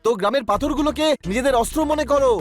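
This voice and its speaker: A man's voice: extremely high pitch, racing. A man voicing an earnest young cartoon hero who instructs villagers in a children's cartoon dub. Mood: earnest, determined. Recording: music behind the voice.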